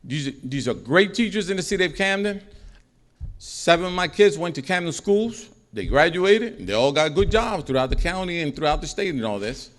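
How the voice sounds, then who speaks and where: A man's voice: fairly high pitch, big pitch swings, moderate pace. A middle-aged man giving a rambling, repetitive public comment at a school board meeting from a podium microphone, growing more heated as he goes.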